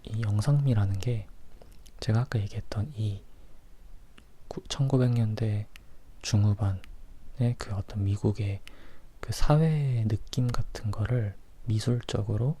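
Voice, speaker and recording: A man leans in to whisper a relaxed ASMR movie chat. His voice is very dark and soft, with a breathy, husky texture. He talks casually, like a host sharing his opinions up close. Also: lowish voice, a little slow, pauses often. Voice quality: breathy, hushed. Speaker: host of a film review series.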